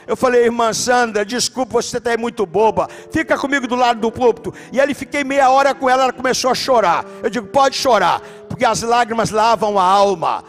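A man with a Brazilian Portuguese accent, a pastor telling stories in an animated sermon and shouting at key points. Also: extremely high pitch, a little fast, few pauses, soft background music. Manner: animated preaching, shouts for emphasis. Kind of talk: sermon with storytelling. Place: church.

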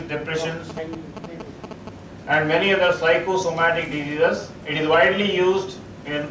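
A middle-aged man with an Indian English accent gives a halting conference talk as a psychologist, full of uh fillers and restarts, on a large auditorium stage. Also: on the high side. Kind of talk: conference presentation. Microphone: distant room mic, speaker standing on stage. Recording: echoey auditorium, far from mic, noisy.

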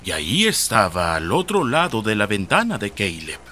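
A man's voice: lowish voice, wildly swooping pitch, normal speed, bright, forceful tone, faint music behind. A man with a Latin American Spanish accent narrating a scripted horror story.

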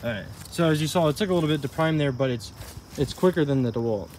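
A man talks through a hands-on tool test in a relaxed, rambling way, full of "um"s and restarts. He is recorded outdoors on a first-person camera. Faint insect and outdoor noise sits behind his voice. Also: on the high side, fast. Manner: rambling, self-correcting, filler-heavy. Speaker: tool reviewer. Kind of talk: casual product demo vlog. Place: outdoor garden walkway by a tree. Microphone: body-worn camera, first-person view.

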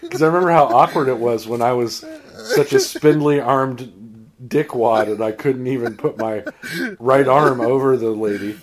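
A man hosting a podcast, telling a comic story in a halting, deadpan, profane way. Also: medium pitch, a crowd in the background. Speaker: podcast host.

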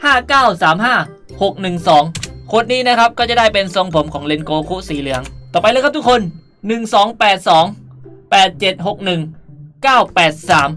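A woman's voice: medium pitch, expressive, a little fast, a bit bright. A woman talks through a game tutorial as its host. Her delivery is casual and playful, with cutesy endings to her sentences. Music runs behind her voice. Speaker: gaming video host. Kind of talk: casual game tutorial commentary, reading out item codes. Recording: music under the voice. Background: background music.

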